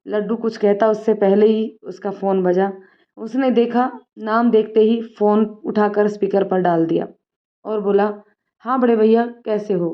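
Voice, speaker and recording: A woman narrates a story in a calm, steady voice. Her pitch sits in an ordinary middle range. The recording is muffled and lo-fi. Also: a little slow. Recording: dull lo-fi recording.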